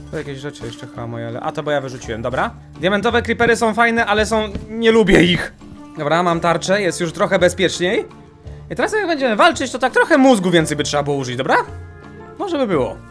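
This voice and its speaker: Excitable young man commenting on gameplay. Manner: excitable, jumps to high-pitched yelps when startled. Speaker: gaming channel host. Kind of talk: casual let's-play commentary. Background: game music.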